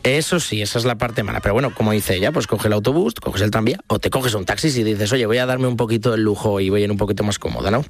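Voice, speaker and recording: A man's voice: fairly low pitch, fast talker, hardly any pauses. A young man from Spain, co-hosting a radio show, chatty and laughing often as he reads listener messages. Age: young adult. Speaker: radio co-host.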